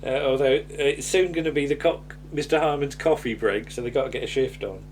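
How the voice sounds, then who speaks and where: A man's voice: mid-range voice, quick pace, a little hiss or hum. A man chatting casually as a co-host recapping a comedy, hesitant and meandering, often repeating words and tailing off. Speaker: podcast co-host.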